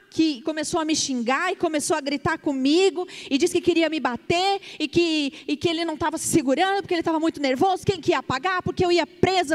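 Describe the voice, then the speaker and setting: High-voiced woman pastor in a reverberant hall. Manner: emotional, vivid retelling with quoted dialogue. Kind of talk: sermon storytelling.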